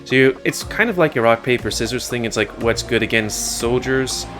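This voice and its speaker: A man's voice: medium pitch, normal speed, a bit bright. A man giving casual, rambling and crude commentary while playing a video game. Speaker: gaming YouTuber. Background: game music.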